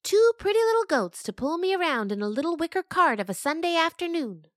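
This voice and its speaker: A spoiled little girl who sweetly begs for what she wants, voiced by a woman. The voice is pitched high and the recording is dry. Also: sing-song, a little fast, fairly bright tone, dry recording, full character voice. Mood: pleading. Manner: sweet and pleading.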